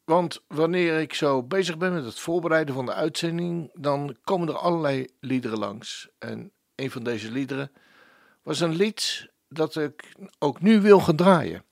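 A middle-aged man presenting Christian songs on the radio, unhurried and devout, with frequent hesitations. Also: fairly high pitch, lively intonation, creaky, no room sound, clean studio sound.

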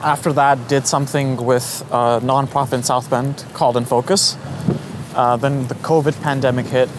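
A young man from Nepal, a guest in a relaxed conversation, talking with a few fillers and restarts. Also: medium pitch, normal speed, noisy background. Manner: relaxed, hesitant, many fillers. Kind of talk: casual conversation.

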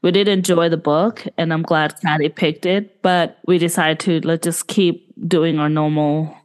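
A woman's voice: low-pitched, fairly even intonation, normal speed, a little mellow, clear, resonant tone. A woman co-hosting a book podcast, talking in an easygoing way and laughing along. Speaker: podcast co-host. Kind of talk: casual book chat.

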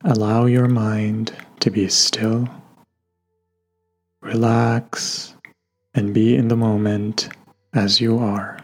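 A man guiding a meditation in a gentle, unhurried way, leaving long pauses between instructions. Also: fairly low pitch, flat delivery, husky. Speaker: meditation guide. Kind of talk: guided meditation narration. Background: soft background music.

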